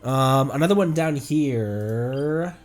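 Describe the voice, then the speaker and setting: Animated, playful male game streamer. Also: mid-range voice, takes it slowly, soft background music. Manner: playful, goofy, often parrots game characters. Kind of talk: casual gameplay livestream commentary.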